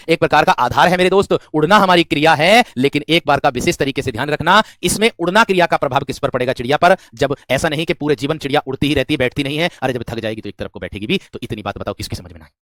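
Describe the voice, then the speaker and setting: Speaking fast and with few pauses, a man runs a grammar lesson for exam candidates, asking and answering his own questions and frequently repeating himself. His voice sits somewhat high with a slightly bright quality. The close recording is dry, with no echo.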